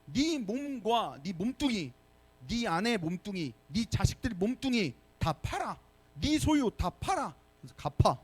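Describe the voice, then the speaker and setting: A man's voice: high-pitched, sing-song, slightly rough, heavily acted. A man doing a stern, demanding old king. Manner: slow, heavy, commanding.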